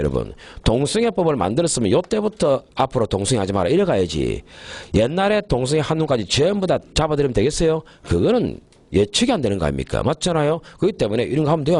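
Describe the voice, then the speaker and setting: A male criminal law lecturer in an exam-prep class talks quickly, his pitch leaping up and down as he stresses points. He keeps asking his students whether they follow and slows down to dictate key phrases. The sound is close and dry, with no room echo. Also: a little mellow.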